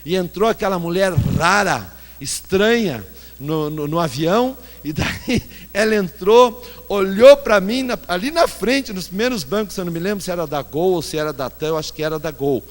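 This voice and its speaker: A man's voice: sits high, moderate pace. A male pastor preaching a sermon and telling self-mocking stories, recorded in a church hall with long reverb. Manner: animated storyteller, self-mocking. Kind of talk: sermon with anecdotes.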